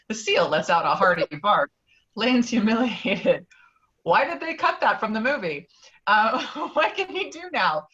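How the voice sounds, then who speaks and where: Animated woman reading screenplay narration. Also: medium pitch. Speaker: stage directions narrator. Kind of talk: scripted narration, screenplay table read. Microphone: virtual table read over video call. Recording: dull lo-fi video call audio.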